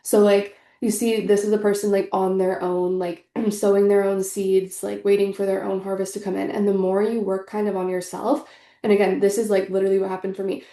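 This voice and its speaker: A young tarot reader with a stuffy, congested voice chats casually and earnestly through a reading, using lots of fillers. Her mid-range voice is mellow and fairly monotone, a little fast, in an echoey room.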